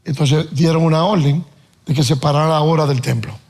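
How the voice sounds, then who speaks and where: A man's voice: fairly high pitch, fairly even intonation, brisk, a little mellow. A male pastor preaching a sermon, asking pointed questions and reading scripture aloud. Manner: preaches with rising, emphatic questions and Bible reading.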